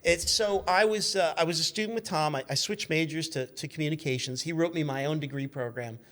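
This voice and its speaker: A man's voice: on the high side, fairly quick, a bit bright. A man in his fifties chatting casually as a guest, telling anecdotes in a self-deprecating, joking, rambling way. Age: 50s. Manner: rambling, digressive. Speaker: guest, car magazine editor and former radio intern.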